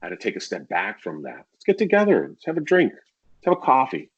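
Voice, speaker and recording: A man talking candidly as a guest on a casual podcast, acting out sales pitches as he tells stories. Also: wildly swooping pitch, fairly quick, slightly rough, dull audio. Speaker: podcast guest, real estate agent.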